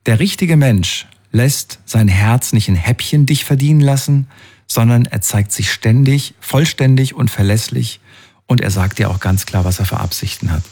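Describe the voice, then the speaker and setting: A man hosting a call-in radio show, giving callers empathetic advice and coaxing them with questions that swing up in pitch. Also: moderate pace, darkish tone, husky.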